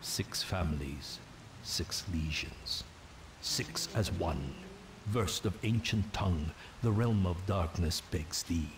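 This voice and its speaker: An actor playing a solemn tribal storyteller, narrating dark legends for a fantasy game in a grave, portentous, theatrical manner. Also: male voice, deep voice, slow, background noise. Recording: music behind the voice. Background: prominent music.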